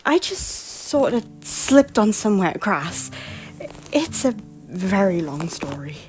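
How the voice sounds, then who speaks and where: A woman's voice: mid-range voice, very animated, slow pace. Woman acting an anxious fallen queen, music beneath. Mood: subdued, grateful. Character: anxious, guilt-ridden deposed queen, wounded and proud. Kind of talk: audio drama acting. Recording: music under the voice.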